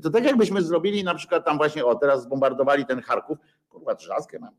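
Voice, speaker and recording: A man's voice: fairly high pitch, fast. A man hosting a rambling satirical monologue, sarcastic and profane, full of hesitations and filler sounds.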